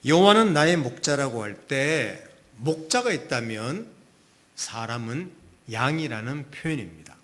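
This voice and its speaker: A man delivers a Sunday sermon as a pastor. He talks in a loose, conversational way and drops in offhand asides. His pitch swings widely from phrase to phrase. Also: unhurried. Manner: relaxed, conversational preaching with asides.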